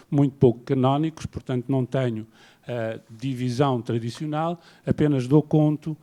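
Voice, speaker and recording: A man from Portugal with a European Portuguese accent, giving an academic lecture in a measured, self-deprecating way. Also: mid-range voice, mellow. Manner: measured, self-deprecating, paces around while speaking. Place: lecture hall.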